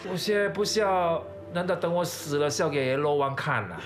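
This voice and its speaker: A man's voice: on the high side, normal speed, soft background music, close to an everyday voice. An actor playing a middle-aged father who keeps joking despite bad news, with a wry, teasing manner and a drama score playing underneath. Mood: wry, tender. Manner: wry, teasing even while upset.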